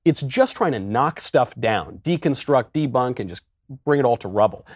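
A man on a roundtable laying out an argument in a slow, measured, lecturing way with a wry edge. His pitch rises and falls a lot, and the studio sound is dry. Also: expressive, no room sound. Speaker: roundtable panelist, author. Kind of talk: casual political discussion.

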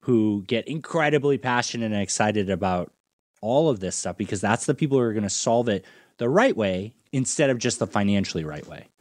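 A man's voice: lowish voice, animated, brisk, darkish tone, dry recording, clean studio sound. A man hosting a podcast in a conversational, enthusiastic way. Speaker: podcast host and interviewer.

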